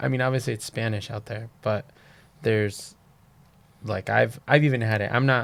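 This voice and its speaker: This man speaks with a slight Peruvian accent. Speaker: podcast host. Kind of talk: casual chat.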